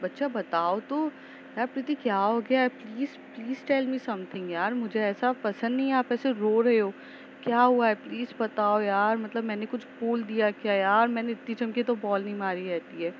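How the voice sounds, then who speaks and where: A woman's voice: on the high side, moderate pace, natural voice. A woman voicing a carefree, playful teenage schoolgirl who coaxes and teases a crying friend. The recording is slightly dull, with faint traffic behind. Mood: coaxing. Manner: coaxing, affectionate teasing.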